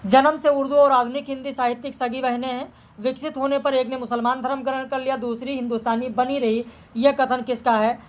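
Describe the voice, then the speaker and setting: Brisk female exam tutor, high voice, even and level, reading out questions and answers. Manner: brisk, steady, matter-of-fact answer checking. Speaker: teacher.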